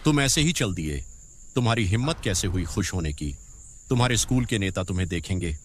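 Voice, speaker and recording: A man's voice: deep voice, animated, a little fast. A man voicing a stern military drill instructor who scolds and barks orders at trainees, in a dubbed drama. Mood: scolding. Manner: barking commands, sarcastic. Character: stern male drill sergeant, harsh and scolding.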